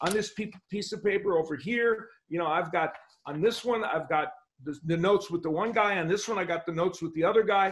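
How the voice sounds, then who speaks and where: Talking at a fairly quick pace, a man with high pitch uses ordinary pitch variation. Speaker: boxing commentator. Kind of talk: podcast host talk. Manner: casual, conversational.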